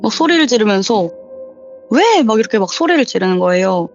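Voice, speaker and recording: A young woman in a casual interview, chattily telling a true horror story and acting out the quoted lines with sudden rises in pitch. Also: lively intonation, quick pace. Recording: dull lo-fi sound with faint background music.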